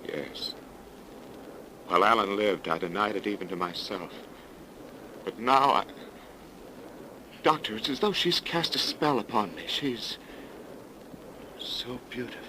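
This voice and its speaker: A man's voice: lowish voice, measured pace, long pauses, noisy background, lightly acted. An actor playing an earnest young man with theatrical, emphatic delivery in 1930s radio drama style, on an old broadcast recording. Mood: anguished. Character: earnest, anxious young man fearing for his brother.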